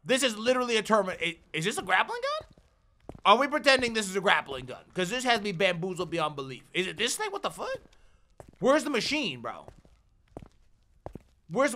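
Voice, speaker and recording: Very high-pitched, excitable male gamer. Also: gravelly, a little hiss or hum. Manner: foul-mouthed, exclamatory, slangy. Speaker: gaming streamer. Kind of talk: comic let's play commentary.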